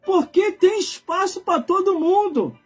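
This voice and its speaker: High-pitched Brazilian preacher, emphatic. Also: male voice, lively intonation, unhurried, soft background music. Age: 40s. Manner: emphatic, colloquial, repeats phrases for effect. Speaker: preacher hosting a livestream. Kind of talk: informal live sermon.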